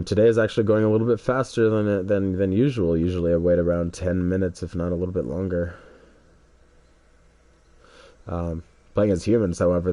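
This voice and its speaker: Congested guy streaming, low mellow voice, stumbles n restarts a lot, kinda awkward. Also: no room sound. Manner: hesitant, self-deprecating, many restarts. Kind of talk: rambling solo stream chat.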